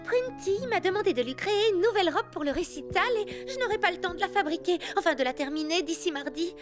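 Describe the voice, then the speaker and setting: A woman voicing a friendly little girl in a children's cartoon, speaking in an expressive, earnest way. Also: very high-pitched, fast talker. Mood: hesitant, earnest. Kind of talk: French cartoon dub acting. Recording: music behind the voice.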